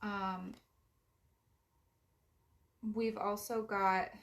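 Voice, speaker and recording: A young woman with a raspy voice talks through a spiritual card reading in a loose, meandering way. She offers gentle advice and uses a lot of fillers as she goes. Her pitch sits in an ordinary middle range. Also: flat delivery, very slow. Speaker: psychic card reader.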